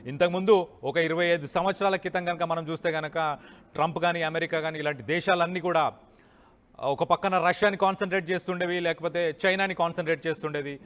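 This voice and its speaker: A man's voice: a little high, fairly even intonation, fast talker, a bit bright, big-room sound. A man with a Telugu accent presenting news commentary in an emphatic way, repeating phrases for stress. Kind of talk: live news commentary, explaining and opining.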